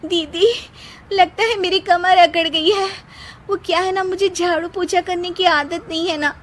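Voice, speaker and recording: A woman's voice: very high-pitched, steady tone, a little slow, pitched above the performer's own voice. A woman putting on a scheming young wife. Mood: whiny. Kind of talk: storybook character voice.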